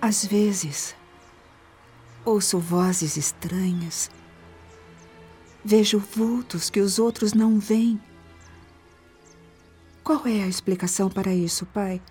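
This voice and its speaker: A troubled young Brazilian daughter in a radio drama. Her voice is very husky and breathy, with a dark, muted tone. She speaks slowly and haltingly, fragile and depressed. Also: medium pitch, steady tone, faint music behind. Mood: frightened, fragile. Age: young adult.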